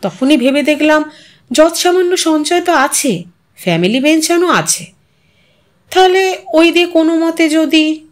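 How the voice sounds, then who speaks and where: A woman's voice: high-pitched, lively intonation, measured pace, pauses often, pitched above the performer's own voice. A woman reading a story, voicing a resigned, confiding elderly widow who muses wistfully. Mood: weary, confiding. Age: older. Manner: wistful, confiding, musing to herself. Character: Bithi, weary resigned elderly widow in old age home.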